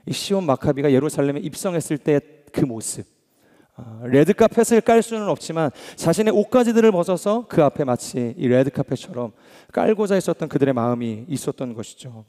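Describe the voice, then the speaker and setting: A man preaching a sermon, earnest, asking the congregation questions and swinging from emphatic peaks to soft low asides. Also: expressive, fairly quick. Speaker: pastor. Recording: long hall reverb.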